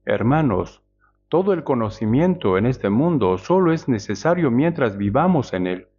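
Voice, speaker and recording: A male preacher giving a measured sermon, often asking the congregation rhetorical questions. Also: medium pitch, very animated, a little mellow. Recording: dull lo-fi sound.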